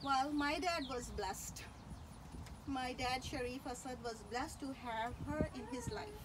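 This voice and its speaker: Halting, tender high-voiced woman giving a eulogy. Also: background noise. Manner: faltering, halting delivery in short phrases. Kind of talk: personal eulogy speech.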